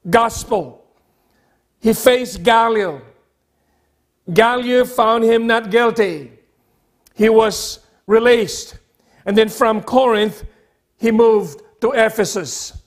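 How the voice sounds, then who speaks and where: Male pastor, middle-aged, high-pitched voice, slow pace, deliberate short phrases, sermon delivery. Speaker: pastor preaching. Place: church sanctuary, at a pulpit.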